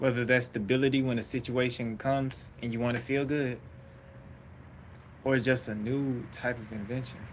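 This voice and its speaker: With audible room echo, a man speaks in a relaxed tone and a flat monotone, leaving long, frequent pauses. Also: medium pitch for a man, moderate pace. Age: 20s. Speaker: podcast host. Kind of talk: casual monologue. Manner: relaxed, laid-back.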